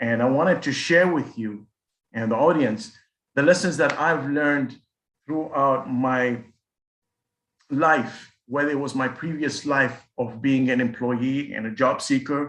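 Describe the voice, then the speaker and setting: A man with an Arabic accent speaks at a fairly slow pace. His voice is fairly high, with ordinary pitch variation. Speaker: keynote speaker, entrepreneur. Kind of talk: keynote speech.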